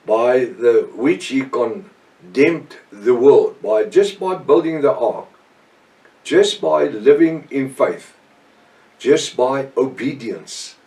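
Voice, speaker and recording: A middle-aged man with a South African Afrikaans accent teaches scripture in an earnest, emphatic way. His phrases are short and halting, often repeated for weight. He sounds a little away from the microphone, in a very echoey room. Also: medium pitch, expressive, warm tone, far from the mic. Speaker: preacher and Bible teacher. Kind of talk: extemporaneous Bible teaching sermon.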